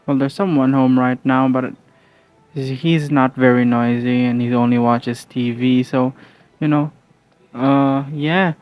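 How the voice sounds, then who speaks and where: A man's voice: medium pitch, steady tone, takes it slowly, smooth, lo-fi sound, soft background music. A young man from the Philippines whose first language is Filipino, rambling casually and hesitantly at home with many restarts and fillers. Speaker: vlogger.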